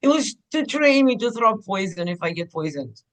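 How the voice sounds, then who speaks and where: Bright-voiced woman. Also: mid-range voice, big pitch swings. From Ukraine. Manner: candid, unhurried storytelling. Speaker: guest, clinic owner. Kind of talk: podcast interview.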